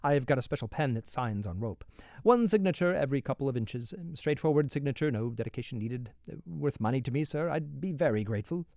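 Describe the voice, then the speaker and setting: A man's voice: medium pitch, lively intonation, a little fast, vocal fry, darkish tone, no echo, studio quality. A man voicing a cheerful, businesslike young hangman who chats politely and keeps saying sir, in a voice raised above his own. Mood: eager. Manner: friendly, businesslike, says "sir" often. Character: cheery young male hangman, eager and chatty.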